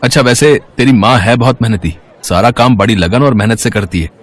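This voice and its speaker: A man's voice: medium pitch, fairly quick, close to an everyday voice. A man playing a spoiled, arrogant rich young son in a dramatised story, entitled and mocking, dropping in English words. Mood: mocking, smug. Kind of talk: dramatised Hindi story acting.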